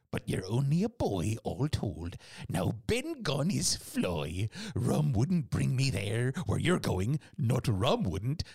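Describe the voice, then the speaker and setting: A woman voicing an old male castaway, cunning and eager, with a raspy voice and a sing-song rustic way of talking. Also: darkish tone, no room sound, heavily acted. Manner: sing-song rustic speech with wild pitch swings. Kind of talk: audiobook character voice.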